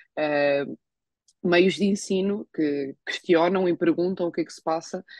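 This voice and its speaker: In an unremarkable speaking voice, a woman with a fairly low pitch talks at a fairly slow pace, the sound dry with no echo against a quiet background. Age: 20s. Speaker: victim advocacy association founder; webinar panelist. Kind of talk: panel discussion. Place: home room. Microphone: video call.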